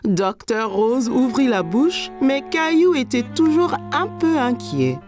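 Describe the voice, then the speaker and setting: Reading like a storybook narrator, a woman tells a children's cartoon about a small boy's everyday adventures in a heavily acted style. Her high, darkish voice swings widely in pitch and takes its time, with soft music playing in the background.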